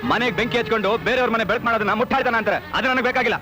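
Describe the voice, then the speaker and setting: An actor playing a bitter, grasping village son, speaking harshly and with scorn. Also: male voice, very high-pitched, steady tone, racing. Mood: scornful. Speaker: greedy son demanding his share. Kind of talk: film drama acting. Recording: film soundtrack with music behind.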